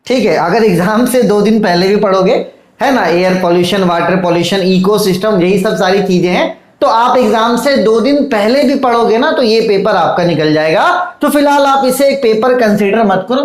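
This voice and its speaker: A male teacher giving an online lecture to students, coaxing and fatherly, often pausing to check "okay?" and "look". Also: high voice, roomy sound, low-quality recording. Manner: repeats checks like "theek hai" and "dekho".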